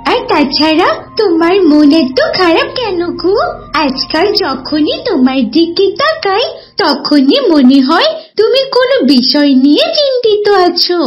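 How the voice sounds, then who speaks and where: A woman voicing gentle, motherly talking animals in a children's cartoon, with an expressive sing-song delivery. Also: very high voice, a little slow, dull audio, faint music behind, heavily acted. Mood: sweet, concerned.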